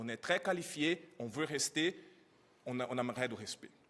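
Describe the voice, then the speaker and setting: A man speaks with a Portuguese accent. His intonation is lively. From Brazil. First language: Portuguese (speaking French). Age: 30s. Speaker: immigrant teacher trainer. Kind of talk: press conference testimony. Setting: press scrum at the National Assembly. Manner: emotional, halting.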